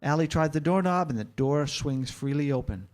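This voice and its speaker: A man with a moderately high voice reads out screenplay directions. It is scripted narration, delivered as the narrator of a staged reading. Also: lively intonation, moderate pace, a little mellow. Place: live staged reading in a church.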